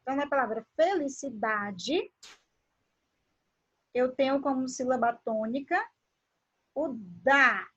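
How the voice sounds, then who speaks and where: Woman, teacher, high voice, husky, talks slowly, asks the class questions. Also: a bit bright, dull audio. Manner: slow, drawn-out word pronunciation with questions to the class. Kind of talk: classroom grammar lesson.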